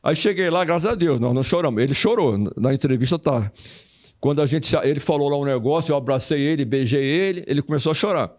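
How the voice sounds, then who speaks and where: Talking fast in a fairly high-pitched male voice, this older ex-footballer from Brazil is an interview guest. He tells his stories in a casual way, repeats phrases, and acts out quoted voices.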